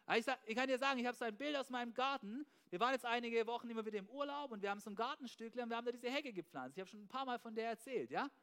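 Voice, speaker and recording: A man's voice: extremely high pitch, very fast, few pauses, a bit bright, clean tone. A man preaching a sermon with energy, often starting phrases with "hey" and checking in with "ja?", mixing in English slang words. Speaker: pastor.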